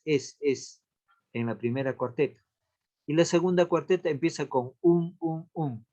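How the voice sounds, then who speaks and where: A man teaching a literature class in a recorded lesson, explaining patiently, repeating key points and often checking in with a quick question. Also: fairly high pitch, a little mellow. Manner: counts out verses aloud slowly.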